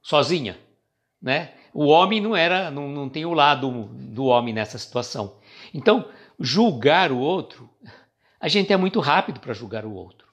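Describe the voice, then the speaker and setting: A man's voice: on the high side, expressive, moderate pace, fairly bright tone. A Brazilian man hosting a spiritist reflection stream, talking casually and greeting viewers by name. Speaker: host of a spiritist reflection livestream.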